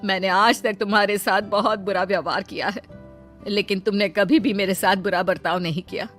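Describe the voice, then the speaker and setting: A woman's voice: medium pitch, fairly even intonation, moderate pace, faint music behind, close to an everyday voice. A woman voicing a stern, scolding middle-aged mother-in-law in a cartoon story. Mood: apologetic. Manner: sharp, bossy, complaining.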